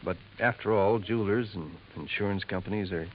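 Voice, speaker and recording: An actor playing a smooth, confiding male jeweler who drops insinuating hints in a 1950s radio drama, on a dull old recording. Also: fairly low pitch, brisk, a little hiss or hum, close to an everyday voice.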